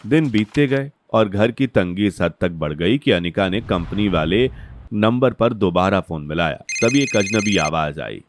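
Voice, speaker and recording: Low-voiced male storyteller. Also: animated, unhurried, slight background noise. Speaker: narrator. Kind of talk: scripted narration.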